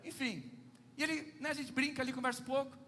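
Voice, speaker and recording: Middle-aged Brazilian pastor, very high bright voice, playful preacher, long church reverb. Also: male voice, steady tone, fast talker. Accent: Brazilian Portuguese. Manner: playful anecdotal preaching, often addressing the congregation. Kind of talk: sermon.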